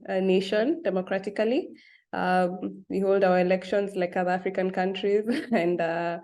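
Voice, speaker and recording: A woman's voice: medium pitch, a little mellow. A young Kenyan woman with a Kenyan accent, answering interview questions thoughtfully, with many fillers and small laughs. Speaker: guest. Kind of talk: interview conversation.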